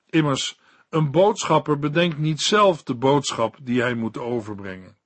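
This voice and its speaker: A man giving a scripted Bible commentary in a slow, measured reading voice. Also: on the high side, no echo.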